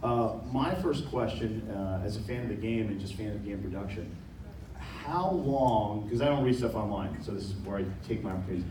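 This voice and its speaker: Deep-voiced chatty moderator, echoing hall. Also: male voice, brisk, darkish tone, slight background noise. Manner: chatty, self-deprecating. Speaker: panel moderator. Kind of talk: moderating a panel. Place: large convention hall. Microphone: table mic, heard from a phone in the audience. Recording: echoey hall, phone from far off.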